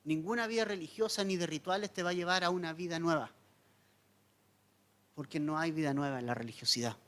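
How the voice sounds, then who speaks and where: Impassioned pastor swinging loud to hushed. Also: male voice, on the high side, fairly quick. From Chile. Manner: dramatic storytelling, wide swings from loud to hushed. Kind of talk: sermon.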